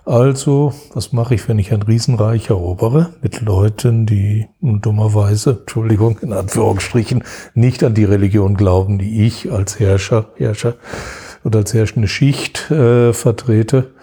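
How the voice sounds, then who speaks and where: A man's voice: lowish voice, steady tone, a little slow, warm tone, husky. A man speaking as an expert guest in an interview, explaining history in a lecturing way, often restarting and searching for words. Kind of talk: academic interview talk.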